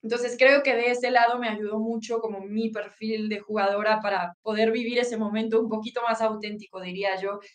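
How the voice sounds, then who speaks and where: Woman, Mexican Spanish accent, athlete and commentator being interviewed, lively storyteller, slightly high voice. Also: a little fast, few pauses. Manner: animated storytelling. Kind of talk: casual interview conversation.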